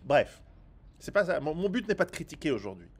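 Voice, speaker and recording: Talking straight to the camera, a non-native French-speaking man hosts a survival commentary video, rambling animatedly with plenty of restarts and sarcastic asides. He's a survival author whose voice is fairly high, brisk and husky.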